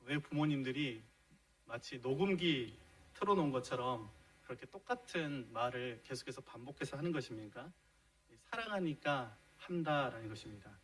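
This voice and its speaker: The recording is low quality: a pastor in his middle years preaches in a church sanctuary at a moderate pace, his mid-range voice expressive and fairly bright. He works earnestly through his points and poses rhetorical questions to those gathered.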